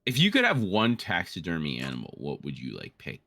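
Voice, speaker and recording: A man's voice: low voice, huge pitch swings, fairly quick, vocal fry, sharp tone. A man co-hosting casual gameplay chat, telling rambling, sweary stories. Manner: rambling, profane storytelling. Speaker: gaming co-host.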